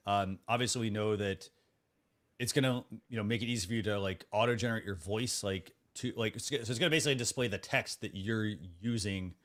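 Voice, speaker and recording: A man hosting a casual panel discussion, thinking aloud in a halting way and often rephrasing himself. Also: fairly low pitch, a bit bright. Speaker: talk show host.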